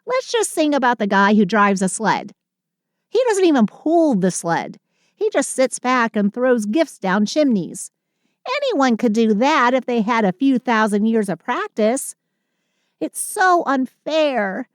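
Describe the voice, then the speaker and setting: A woman's voice: a little high, very animated, unhurried, dry recording, studio quality. A woman playing a short, sulky but affectionate Christmas elf in an intimate audio roleplay, with dramatic sighing complaints and fond endearments. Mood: indignant venting.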